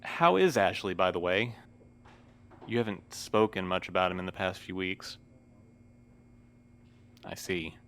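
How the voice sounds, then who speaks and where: Weary male postmaster played by an actor, lowish pitch, wordy and proper, dryly resigned, for a fiction podcast. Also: measured pace, long pauses, fairly bright tone. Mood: guarded, formal. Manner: wordy, formal, precise. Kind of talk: scripted audio drama acting.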